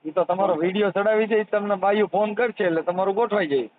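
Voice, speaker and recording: A man's voice: high-pitched, fast talker, dry recording. A man with a Kathiawadi Gujarati accent asking teasing, persistent questions in a casual phone conversation. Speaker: social worker taking a phone call. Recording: tinny, narrowband phone call recording.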